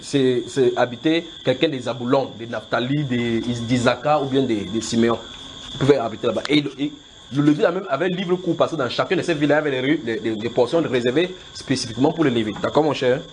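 A man with a Cameroonian accent teaching the Bible in an informal question-and-answer style, brisk and directive, often repeating himself. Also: medium pitch, a little mellow. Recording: clearly noisy amateur recording.

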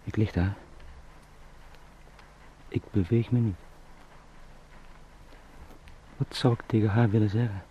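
An actor playing a lonely, brooding salesman turned beetle, musing in short halting sentences in a radio play. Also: on the low side, fairly even intonation, dark tone, lo-fi sound, a little hiss or hum, close to an everyday voice. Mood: troubled. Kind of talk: introspective radio play monologue.

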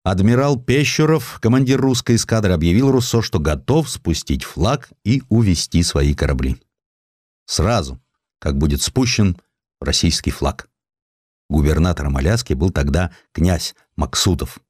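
A man reads history as dramatic audiobook narration. His voice is low and highly varied in melody, with deliberate theatrical pauses and a dry, close studio sound. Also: expressive, a little mellow, no echo.

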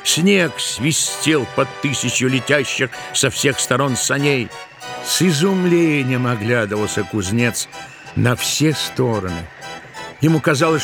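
A man narrating a literary tale as part of an audio drama, in an expressive, dramatic storytelling manner. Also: medium pitch.

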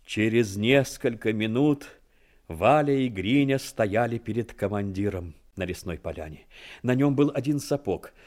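A man's voice: fairly low pitch, a little mellow. A man narrating a war story solemnly, in the dramatic literary style of a radio play.

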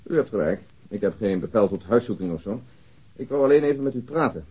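An actor playing a polite, dry, methodical police detective with a businesslike manner in a radio drama. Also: male voice, lowish voice, expressive, fast talker, mellow, slightly rough. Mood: polite, calm. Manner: businesslike, unruffled. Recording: dull lo-fi old radio recording.

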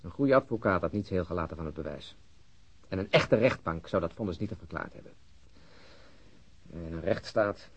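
Weary, sardonic male detective for radio crime play; low, husky, argumentative, on muffled lo-fi audio. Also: animated, moderate pace, pauses often, heavily acted. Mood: insistent, argumentative. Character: cynical, weary, outspoken male police detective. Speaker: actor in a radio crime drama. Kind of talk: Dutch-language radio play acting.

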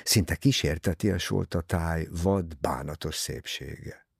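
A man narrating an audiobook in a raspy, gravelly voice. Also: low voice, no room sound, clean studio sound. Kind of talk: scripted narration.

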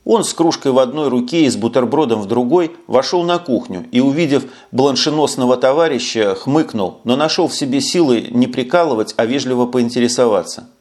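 A man's voice: medium pitch, animated, a little fast, hardly any pauses, a little mellow. A man narrating a first-person audiobook in a wry, conversational way.

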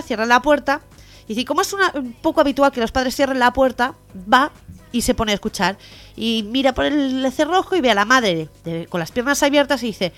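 A woman co-hosting a local radio comedy show with a Catalan Spanish accent, telling jokes with lively acted-out voices. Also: high-pitched. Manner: lively joke-telling, acting out the lines of the joke characters. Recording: radio show with faint music behind.

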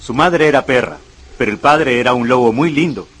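A man playing a rough, amused Native American man who is bossy with animals, in a radio drama. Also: mid-range voice, a little fast, fairly bright tone, a little hiss or hum, close to an everyday voice. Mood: explaining. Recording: light music under the voice.

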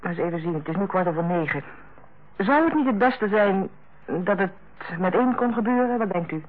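A woman's voice: mid-range voice, lively intonation, lightly acted. Woman acting a composed hospital director, tinny radio sound. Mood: businesslike. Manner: measured, diplomatic, formal. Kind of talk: Dutch radio play acting. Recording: tinny, narrow-band old radio recording.

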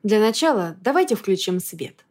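A composed, steady man who speaks evenly and without hurry, keeping everyone calm, as a female audiobook reader voices him. His tone stays level throughout. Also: medium pitch, lightly acted. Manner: even, unhurried, composed. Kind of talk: audiobook character voice.

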